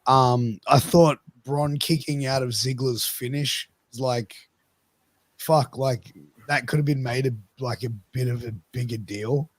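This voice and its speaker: A man's voice: medium pitch, fairly even intonation, unhurried, no echo. Male podcast host, blokey and profane, worn-out recovering voice that cracks, chatting casually about wrestling.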